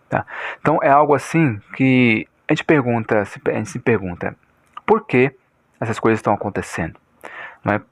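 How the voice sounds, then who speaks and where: A man's voice: mid-range voice, no room sound. A Brazilian man giving informal religious commentary in a didactic, repetitive way, often checking that listeners follow.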